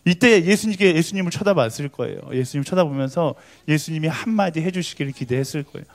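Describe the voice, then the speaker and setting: Lively male preacher, slightly high voice. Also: fast talker. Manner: animated storytelling with rhetorical questions. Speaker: pastor. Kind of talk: sermon. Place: church worship service.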